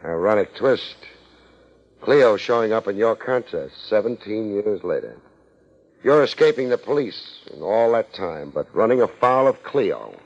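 Low-voiced wry radio private eye. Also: male voice, unhurried, exaggerated voice. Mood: dry, conclusive. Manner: deadpan, wisecracking. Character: laid-back, wry hard-boiled male private investigator. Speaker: lead actor, narrating and playing the detective. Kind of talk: 1950s radio detective acting. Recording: muffled 1950s radio transcription.

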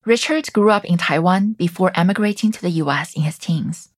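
A woman hosting and narrating a documentary podcast in a calm, reflective scripted style. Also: fairly low pitch, brisk. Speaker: host and narrator.

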